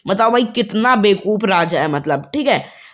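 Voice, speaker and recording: A woman's voice: medium pitch, animated, moderate pace. A woman teacher casually retelling a textbook story for students, chatting to listeners and often repeating key points. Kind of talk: casual storytelling explanation of a class lesson.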